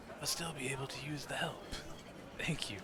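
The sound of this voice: A man's put-on character voice, fairly high-pitched and fairly quick, over loud background noise.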